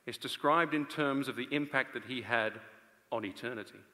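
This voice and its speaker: Male conference preacher, 30s. Forceful, bright tone, earnest delivery with weighty pauses, heard in a large reverberant auditorium. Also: mid-range voice. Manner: earnest, rhetorical, with dramatic pauses and swings from loud to hushed. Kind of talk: live sermon to a large audience. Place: stage of a large indoor auditorium.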